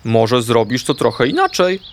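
A man voicing a wise, gentle female owl teacher in a children's storybook reading, talking calmly and patiently. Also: mid-range voice, moderate pace, slight background noise. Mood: reassuring. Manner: calm, kind, explaining patiently.

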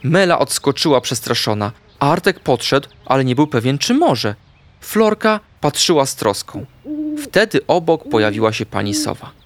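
A man narrating a children's bedtime story in an expressive, playful way. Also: medium pitch, normal speed, no echo. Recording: faint background music.

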